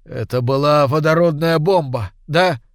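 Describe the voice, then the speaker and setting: A man's voice: fairly high pitch, a little slow, dry recording, studio quality. A man voicing a frightened, bewildered modern soldier stranded among strangers, speaking in an agitated, pleading way.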